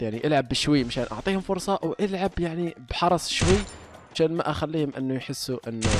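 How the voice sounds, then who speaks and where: Young man, slightly high voice, rapid boastful gaming commentary, music underneath. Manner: excitable, boastful trash talk to opponents and viewers. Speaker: gaming YouTuber. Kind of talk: live gameplay commentary.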